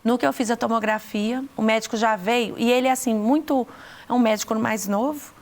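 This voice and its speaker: Gravelly Brazilian woman giving testimony. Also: on the high side, steady tone. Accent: Brazilian Portuguese. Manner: earnest, repeats words, halting restarts. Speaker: interview guest giving testimony. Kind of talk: emotional faith testimony.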